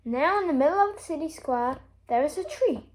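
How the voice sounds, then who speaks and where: A woman reads a children's story aloud in a high voice. Her delivery is expressive and emphatic, with a melody that swings widely from phrase to phrase. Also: brisk. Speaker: story reader.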